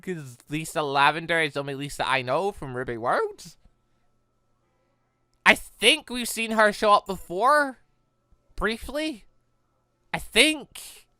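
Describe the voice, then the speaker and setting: A gaming YouTuber giving casual, rambling, expressive let's play commentary on a visual novel, speaking emphatically. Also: medium pitch, takes it slowly, long pauses, no room sound, clean studio sound. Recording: game music playing behind voice. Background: visual novel game music.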